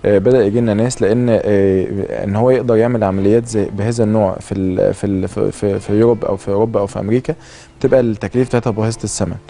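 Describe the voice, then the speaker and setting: Rapid, mellow Egyptian Arabic male doctor. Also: fairly low pitch, fairly even intonation, gravelly. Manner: drops English terms into Arabic. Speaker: doctor, expert guest. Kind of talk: explanatory interview talk. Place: TV studio, seated. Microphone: lapel mic.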